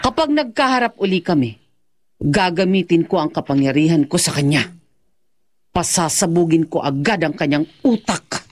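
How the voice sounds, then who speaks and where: Menacing black magic villainess. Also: female voice, lowish voice, animated, normal speed. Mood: cold vengeance. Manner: taunting, threatening. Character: menacing villainess wielding black magic, vengeful crime boss. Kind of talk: radio horror drama acting.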